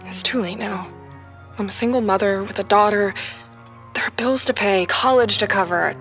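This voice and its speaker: A woman's voice: mid-range voice, normal speed, fairly bright tone, natural voice. A woman playing a weary, defeated single mother in her thirties in an audio drama, resigned, hesitant and defensive. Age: 30s. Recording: music under the voice.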